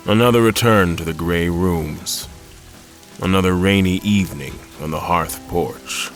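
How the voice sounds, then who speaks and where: Exhausted polite admiral, deep voice, formal measured delivery, audio drama narration, soft music bed. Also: male voice. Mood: weary, reflective. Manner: formal, measured, world-weary. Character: weary polite male admiral narrating his haunting ordeal. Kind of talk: first-person audio drama narration with dialogue.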